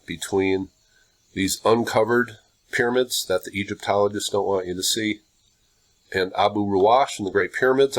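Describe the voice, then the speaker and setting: A man with a slightly low voice, sounding stuffed up and congested. He talks in a casual, unhurried way, breaking his sentences with pauses as he thinks. Now and then he reads aloud in the same easygoing tone. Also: low-quality recording. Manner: slow, halting, with frequent pauses. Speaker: video host. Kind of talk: casual commentary, reading aloud from a website.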